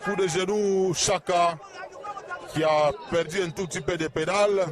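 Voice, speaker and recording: A man giving excited live play-by-play of a wrestling match outdoors, asking himself rhetorical questions. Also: high voice, unhurried. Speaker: wrestling commentator. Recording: crowd noise behind. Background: cheering crowd.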